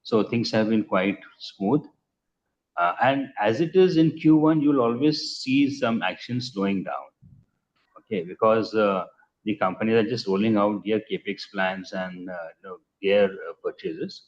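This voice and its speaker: A man, a company executive giving measured, businesslike answers on an earnings call. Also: lowish voice, slight background noise. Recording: muffled conference-call line.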